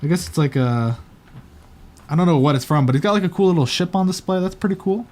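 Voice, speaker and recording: A chatty male host with a slightly higher voice and a faint lisp from his retainer. He talks casually and hesitantly, with frequent ums, as he reviews desk setups. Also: lively intonation, quick pace, a little mellow. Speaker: show host.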